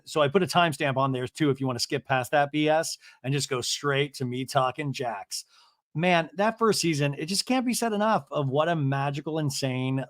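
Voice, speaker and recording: An American man speaks in a somewhat high, lightly raspy voice with very little room sound. He hosts a podcast solo, chatting to his listeners in loose, excitable runs full of slang and asides. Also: no echo, clean studio sound. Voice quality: slightly raspy. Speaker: podcast host.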